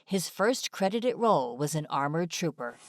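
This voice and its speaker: A woman's voice: low voice, big pitch swings, moderate pace. A woman reading scripted informational narration as a studio-style voice-over. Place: dry studio-like voice-over recording.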